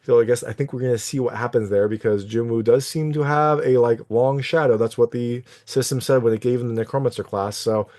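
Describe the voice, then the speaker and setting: Male reviewer, mid-pitched, loose chatty recap with lots of fillers. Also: brisk, few pauses, a little mellow. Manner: conversational, full of fillers. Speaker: anime reviewer.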